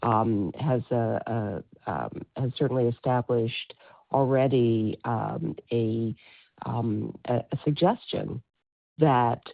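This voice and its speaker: Male medical expert on a thin, phone-like call line, dry sound, mid voice, careful halting explanations. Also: medium pitch, creaky, dry recording. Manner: deliberate, halting. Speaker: physician and company medical expert. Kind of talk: explanatory earnings call answer.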